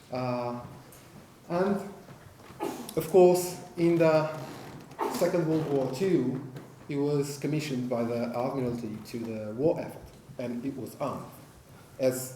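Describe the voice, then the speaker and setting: With long, frequent pauses, a man talks amid noticeable background noise and audible room echo. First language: Portuguese. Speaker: underwater archaeologist and wreck diver. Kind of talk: conference presentation. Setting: conference stage with audience. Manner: halting, many filler sounds.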